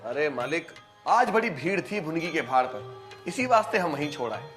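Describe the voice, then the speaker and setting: A man's voice: on the high side, very animated, moderate pace, a bit bright, soft background music. A man playing a tattling, ingratiating servant of a landlord in a rural drama, speaking deferential rustic speech. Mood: fawning. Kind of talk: Hindi rural period drama acting.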